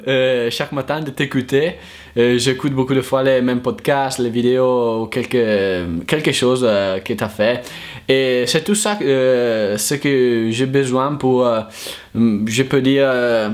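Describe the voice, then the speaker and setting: Italian man speaking hesitant learner's French. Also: medium pitch. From Italy. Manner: hesitant, many fillers and restarts. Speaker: language learner vlogger. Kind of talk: casual thank-you monologue.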